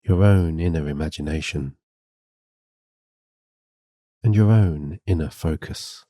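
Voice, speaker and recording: A man giving a scripted sleep hypnosis and guided meditation in a gentle, soothing, guiding way. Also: a bass voice, slow pace, no room sound, clean studio sound.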